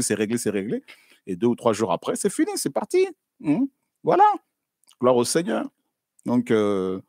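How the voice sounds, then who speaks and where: A man preaching a sermon in a conversational, repetitive way, often asking "hein?" and swinging between loud exclamations and quiet asides. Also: medium pitch, no echo, clean studio sound.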